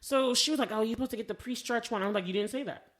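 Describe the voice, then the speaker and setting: A woman's voice: on the high side, rapid-fire. An American woman co-hosting a podcast, chatting casually and telling stories expressively, often re-enacting conversations as she goes. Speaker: podcast co-host. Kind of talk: casual chat and animated personal storytelling.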